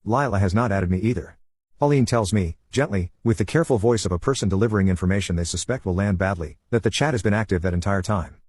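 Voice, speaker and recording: A man in his thirties from the United States narrating a scripted first-person story in a measured, deliberate way, with a husky voice. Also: on the low side, darkish tone, dry recording, clean studio sound. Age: 30s.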